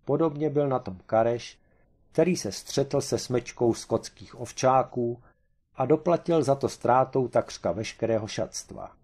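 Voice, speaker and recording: Guy reading a funny story, dry and matter-of-fact, average pitch. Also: a little mellow, slightly rough. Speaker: narrator. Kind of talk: audiobook reading of a humorous story.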